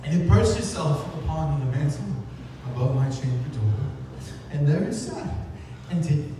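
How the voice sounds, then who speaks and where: Echoey, high-voiced man in slow theatrical recitation. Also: animated. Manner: haunted, halting, dramatic pauses. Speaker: stage performer reciting at a live event. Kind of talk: dramatic theatrical recitation of gothic poetry. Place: indoor live event venue, recorded from the audience. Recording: echoey hall, distant mic, noisy room.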